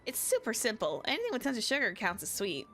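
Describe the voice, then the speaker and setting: A woman's voice: on the high side, huge pitch swings, fast talker, a bit bright. A woman voicing small, earnest, sweet-loving girls in a cooking game with an eager, cutesy manner. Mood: bright, earnest. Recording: music behind the voice.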